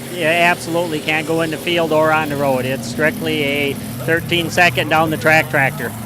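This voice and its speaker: A man's high-pitched voice with an Upper Midwest accent, fairly even intonation and a moderate pace, with noticeable background noise. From northern Wisconsin. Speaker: tractor puller. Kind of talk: interview.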